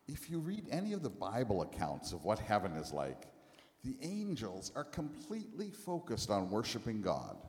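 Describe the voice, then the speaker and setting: A man preaching a sermon in a church, speaking in short phrases and pausing for an interpreter. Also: lowish voice, wildly swooping pitch, darkish tone. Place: church hall. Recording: long hall reverb.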